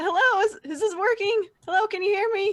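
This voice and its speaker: A put-on character voice, squeaky and extremely high in pitch, comes through loud. It moves at a fairly quick pace. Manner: too loud, hesitant.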